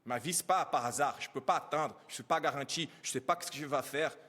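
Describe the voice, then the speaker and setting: A man's voice: fairly high pitch, brisk, sharp tone. A man whose first language is not French, giving emotional, pleading testimony at a press conference, asking many rhetorical questions. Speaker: immigrant speaking at a press conference. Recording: reverberant hall.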